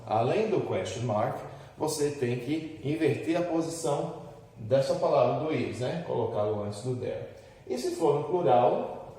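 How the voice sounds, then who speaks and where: A man's voice: medium pitch, dark tone. A Brazilian man teaching an English lesson to students at a board, patiently explaining step by step and often checking that they follow. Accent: Brazilian Portuguese. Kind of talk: classroom lesson. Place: classroom with a board. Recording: echoey room, voice from far off.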